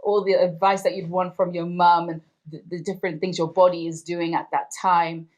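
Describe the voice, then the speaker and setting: A woman's voice: on the low side, little pitch movement, normal speed. A woman in her thirties from Zimbabwe, whose first language is Ndebele, reflecting in a conversational way during an oral history interview. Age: 30s. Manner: reflective, conversational, warm storytelling.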